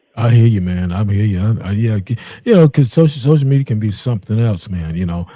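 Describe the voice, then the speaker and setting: A man with an American accent, fairly low-pitched, somewhat breathy, with a dark, mellow tone and a very fast pace. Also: lively intonation. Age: 50s. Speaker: podcast host. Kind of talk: casual interview chat. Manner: halting, many repetitions.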